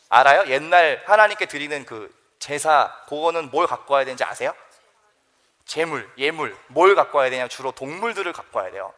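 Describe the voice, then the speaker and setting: A young man, a youth pastor, preaching a sermon to teenagers in a lively storytelling way and asking them questions. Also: on the high side.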